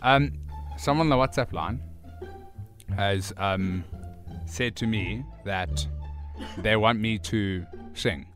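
A man's voice: on the low side, slow pace, pauses often, music in the background. A man hosting casual radio banter with a mouthguard in, lips stretched, sounding slightly muffled with a little whistle. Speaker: radio show host.

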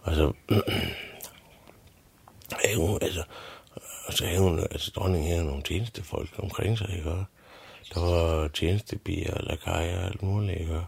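A man's voice: deep voice, fairly even intonation, gravelly, pauses often, darkish tone, breathy edge. A Danish man retelling a fairy tale as a rambling, crude bedtime story, full of swearing and restarts.

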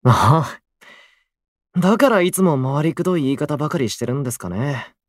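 An actor playing a gloomy, prickly, self-deprecating young station worker in a voice drama, with blunt, grumbling delivery. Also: male voice, on the high side, animated, a little fast, no echo, clean studio sound. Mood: confrontational. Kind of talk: Japanese voice drama acting.

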